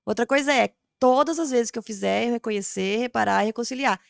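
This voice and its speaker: A Brazilian woman talks fast and in a slightly high voice as a podcast guest. She answers in animated, casual talk, acting out little dialogues with her children. The sound is close and dry. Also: vocal fry, no room sound. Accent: Brazilian Portuguese.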